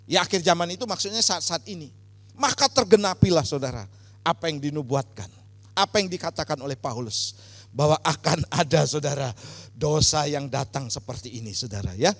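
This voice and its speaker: A man's voice: on the high side, fairly quick, fairly bright tone. A male pastor preaching a sermon with emphatic swells on key words and frequent rhetorical address to the congregation. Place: church sanctuary. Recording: church hall reverb.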